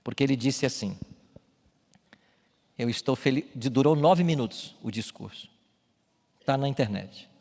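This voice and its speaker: A man's voice: mid-range voice, unhurried, long pauses. Man, pastor, sermon, emphatic preaching, long church reverb. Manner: emphatic preaching, rising to loud calls. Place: church with baptismal tank. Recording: long hall reverb, faint music.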